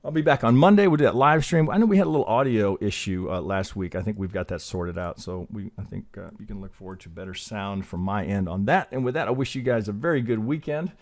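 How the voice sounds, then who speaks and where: Low-voiced man rambling through chart analysis. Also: lively intonation, fast talker, hardly any pauses. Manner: rambling, swears, says "right?" often. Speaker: trading channel host. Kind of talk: casual chart analysis talk.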